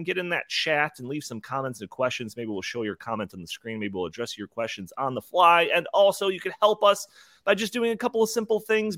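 A man's voice: a little high, a bit bright, no room sound. A man hosting a live podcast in an informal, joking, chatty way. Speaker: podcast host.

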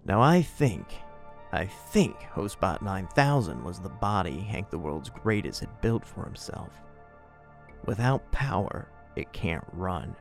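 An actor playing an anxious investigator in a murder mystery audio drama, talking in a conspiratorial, dramatic way over music. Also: male voice, sits low, big pitch swings, slow pace, vocal fry, exaggerated voice. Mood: determined.

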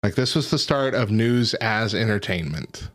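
Male podcast co-host, lowish voice, loose rambling delivery with lots of "uh" and "like". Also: lively intonation, normal speed. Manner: rambling, laid-back storytelling with frequent fillers. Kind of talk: casual chat.

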